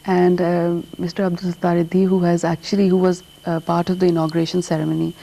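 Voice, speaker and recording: A woman's voice: on the low side, little pitch movement, fast talker, creaky, warm tone, low-quality recording. A woman from Pakistan, a native Urdu speaker, answering interview questions on television and mixing English with Urdu. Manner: switches between English and Urdu mid-sentence. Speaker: guest artist.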